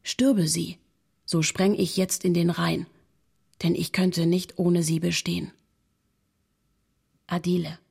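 A fond, witty woman of the nineteenth century, reading her letter aloud. Her voice has a creaky, gravelly edge and an eloquent, intimate delivery, with light music underneath. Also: lowish voice, level tone, slow, pauses often, darkish tone, full character voice. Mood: devoted. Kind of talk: expressive dramatic letter reading.

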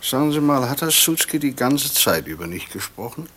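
An actor playing a formal, probing justice official in a radio crime drama, with measured, insistent questioning. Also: male voice, medium pitch, big pitch swings, bright, forceful tone. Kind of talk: German radio play acting.

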